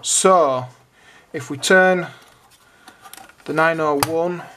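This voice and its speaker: A British man with a slightly high voice narrates an informal how-to video. He explains each step in turn as a hobbyist host would, in plain conversational phrasing. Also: drawn-out words, sharp tone, slight background noise.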